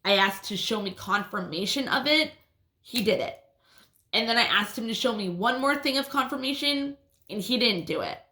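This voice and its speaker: A woman's voice: on the high side, lively intonation, normal speed, bright, forceful tone. A woman with a lisp telling a rambling personal story in a casual, swear-filled way, often restarting her sentences. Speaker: vlogger. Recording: roomy echo.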